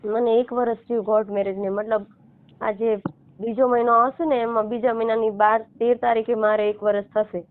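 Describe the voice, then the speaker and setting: A woman in her thirties from Gujarat with a Gujarati accent, explaining haltingly and repetitively as a caller seeking help. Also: on the high side, flat delivery. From Gujarat, India. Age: 30s. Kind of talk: casual phone conversation. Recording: narrow, muffled phone-call line.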